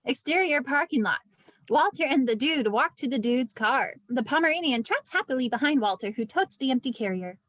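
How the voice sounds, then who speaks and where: A woman's voice: sits high, lively intonation, brisk, fairly bright tone. A woman narrating the stage directions of a script at a table read.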